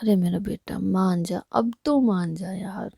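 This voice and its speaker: A woman narrator voicing a playful young woman pleading with her partner, mostly in a low whisper, with a creaky, husky voice. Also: a little slow, mellow, dry recording, clean studio sound. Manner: whispered, coaxing.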